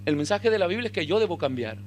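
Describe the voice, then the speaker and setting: Pastor, high and bright, animated preaching over a faint hum. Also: male voice, fast. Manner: animated preaching, shouting in peaks, acting out dialogue. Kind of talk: sermon.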